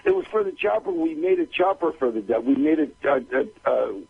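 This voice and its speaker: Very raspy, gravelly man on a call-in. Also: on the high side, lively intonation, moderate pace. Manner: emphatic, repetitive, profane. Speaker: call-in guest and manager. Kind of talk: casual argumentative chat. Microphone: call-in line. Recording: dull, dry radio call-in audio.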